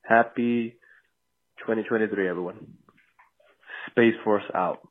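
Male caller, leaving a voicemail, tinny phone line, slow laid-back talk. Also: lowish voice, fairly even intonation. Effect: voicemail played over the phone. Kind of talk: casual voicemail greeting.

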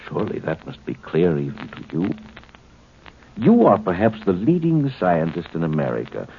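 A cold alien intelligence from a 1950s science fiction radio play. The voice is very low and swings expressively through formal, condescending phrases with smug amusement. The old recording is muffled, with faint noise. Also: male voice, wildly swooping pitch, moderate pace, heavily acted. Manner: formal, smug, pedantic, coolly mocking. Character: cold superior alien of pure energy, condescending villain. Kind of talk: 1950s radio drama acting.

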